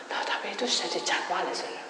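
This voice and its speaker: A woman pastor preaching a testimony sermon. She tells her story to the congregation and swings from loud to hushed. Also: very fast, whispered. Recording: echoey hall with background noise.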